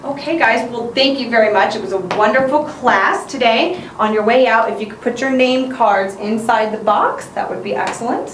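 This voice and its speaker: A woman teacher giving clear, encouraging instruction, in the style of a lesson. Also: a little high, moderate pace, hardly any pauses, a bit bright. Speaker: English teacher. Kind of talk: instructional narration and classroom teaching. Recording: roomy echo, faint background noise.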